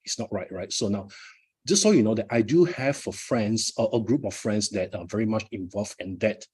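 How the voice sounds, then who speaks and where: A man's voice: on the low side, moderate pace, darkish tone, breathy edge. A middle-aged Malaysian man, a Malay native speaker, giving a live motivational talk at his book launch with frequent fillers and repeated words.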